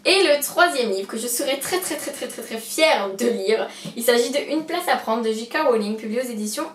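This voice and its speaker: A woman's voice: on the high side, animated, a little fast. A young woman chatting to camera about her bookshelf, hesitant and self-mocking, full of fillers. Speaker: book vlogger. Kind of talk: casual chat to camera. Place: room at home beside her bookshelf. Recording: roomy echo, distant mic, faint hiss.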